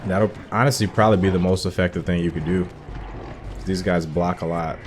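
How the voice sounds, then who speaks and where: Speaking briskly in a low, steady voice, a gaming streamer narrates his playthrough casually for viewers. Game music runs underneath, along with slight background noise.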